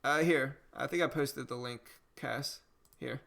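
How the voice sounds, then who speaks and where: Here a gravelly, mid-range male voice moves at a measured pace. The speaker, a Louisiana native with a slight Cajun accent, hosts a day-trading stream, casually going through viewer comments in a laid-back style full of "you know."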